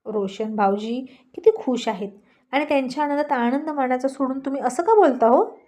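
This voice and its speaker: A woman's voice: sits high, normal speed, a little mellow, close to an everyday voice. A woman voicing a spirited young wife. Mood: upset. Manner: earnest, pleading, argumentative. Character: spirited young wife, earnest and quick to argue.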